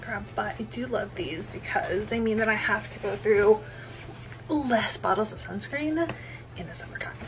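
A woman at a moderate pace, her loudness swinging widely, with noticeable background noise. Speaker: fashion try-on creator. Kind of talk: casual vlog chat. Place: home room. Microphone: phone near.

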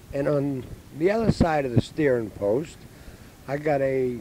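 In a Boston accent, a man speaks with a fairly high pitch, and the sound is dry with no echo. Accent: Boston-area New England. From Massachusetts, Malden (Boston area); Massachusetts. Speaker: retiree recording a family tape. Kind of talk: rambling monologue to a tape recorder. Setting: home recording in a trailer. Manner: halting. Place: home room. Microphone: old recording.

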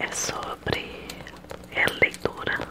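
A woman is whispering. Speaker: ASMR channel host. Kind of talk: casual talk to camera. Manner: whispered. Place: home room. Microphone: studio mic.

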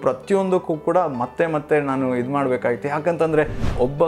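A man speaks at a fairly high pitch with ordinary pitch variation while faint music plays in the background. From Mangalore, India. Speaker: voice-over artist. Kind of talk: interview answer. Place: home room. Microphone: lapel.

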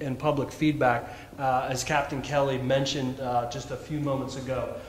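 A man speaks at a moderate pace amid audible room echo and light background noise. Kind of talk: public meeting presentation. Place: hall.

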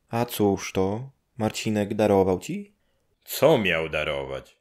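Fairly low-pitched male voice, warm and gentle in tone, on a very clean recording with a silent background. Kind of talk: audiobook narration of a 19th-century rural story. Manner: storytelling narrator, lightly ironic and warm, with a gentle humorous tone.

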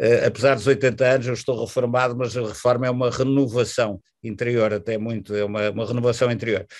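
A man speaks very fast with hardly any pauses, his intonation monotone and flat. The sound is dry with no echo, over a quiet background. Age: 80s+. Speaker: author; interviewee. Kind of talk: interview. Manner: halting. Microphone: video call.

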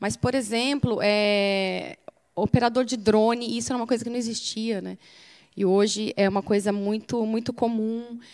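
Against a quiet background, a woman talks at a moderate pace and a fairly high pitch, with monotone, flat intonation. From São Paulo, Brazil. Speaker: marketing professional; guest. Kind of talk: interview. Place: studio. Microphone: handheld.

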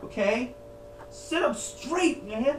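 Light background noise accompanies the speech, along with audible room echo. The speaker is a man. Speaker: actor performing a multi-character monologue. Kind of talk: scripted dramatic monologue, heated family argument with switching character voices. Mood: confrontational, scolding. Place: home room. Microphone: camera far.

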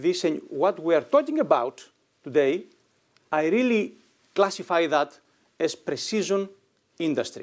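Against a quiet background, a man with a high pitch speaks fairly slowly, with very wide pitch swings and long, frequent pauses. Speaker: business school professor. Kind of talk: conference presentation. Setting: stage with audience. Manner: formal. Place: hall. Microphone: podium.

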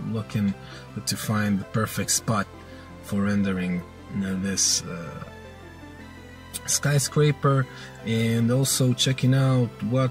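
A man with a non-native accent, very slow with long, frequent pauses, fairly low in pitch with lively intonation, and music in the background. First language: not English. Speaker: 3D modeler. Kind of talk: unscripted tutorial commentary. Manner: hesitant, many fillers.

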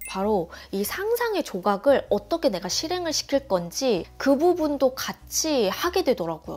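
A woman at a high pitch with very wide pitch swings, a fairly slow pace and hardly any pauses. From South Korea. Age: 30s. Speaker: beauty YouTuber. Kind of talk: casual vlog chat. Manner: animated. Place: home room. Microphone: lapel.

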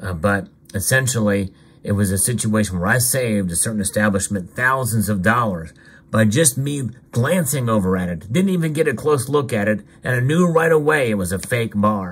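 Speaking at a moderate pace, a man sounds somewhat breathy. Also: lively intonation. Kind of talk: casual show-and-tell commentary. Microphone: phone near.

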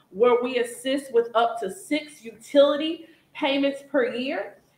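A woman speaks at a high pitch and a fairly slow pace. Audible room echo surrounds her voice. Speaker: city social services representative. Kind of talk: public presentation. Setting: community center workshop with live audience. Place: meeting room.

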